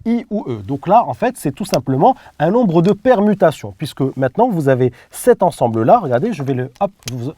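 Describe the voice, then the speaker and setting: Lively male math teacher, mellow voice. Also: fairly high pitch, no echo. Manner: repetitive, checks understanding with "d'accord?". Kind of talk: online math lesson, explaining step by step.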